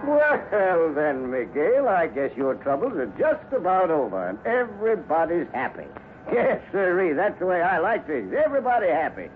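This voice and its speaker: An actor playing an older crooked Colonel with a folksy, hearty manner in a 1950s radio western, on a scratchy, tinny recording. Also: male voice, sits high, big pitch swings, moderate pace, music in the background. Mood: jovial, folksy. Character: scheming crooked Colonel posing as jovial folksy benefactor.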